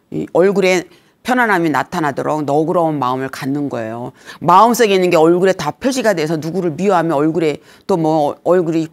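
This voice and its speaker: Gravelly-voiced woman lecturer, humorous. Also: sits low. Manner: humorous, lively storytelling with acted quotes. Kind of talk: senior lifestyle lecture.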